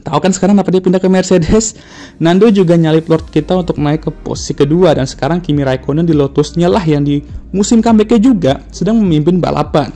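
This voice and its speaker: A man's voice: a little high, fast, warm tone. A man recapping a motor race in a casual, joking, slang-filled way, like a YouTuber talking to his viewers. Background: faint background music.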